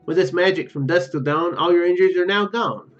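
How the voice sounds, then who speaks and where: Guy reading shy kind young mage girl in a visual novel game, hesitant, kinda high voice, muffled audio. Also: fairly quick, faint music behind, close to an everyday voice. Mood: reassuring.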